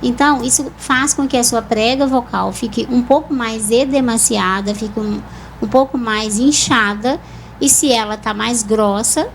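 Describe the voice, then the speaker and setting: Explanatory Brazilian woman, fairly high voice. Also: slight background noise, low-quality recording. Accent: Brazilian Portuguese. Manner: calm, didactic explanations with examples. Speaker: speech therapist guest. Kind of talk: explanatory TV interview.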